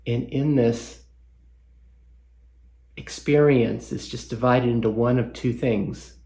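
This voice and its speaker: A man leading a guided meditation as a guest teacher, speaking gently with long pauses and reflective questions. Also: mid-range voice, fairly even intonation, vocal fry.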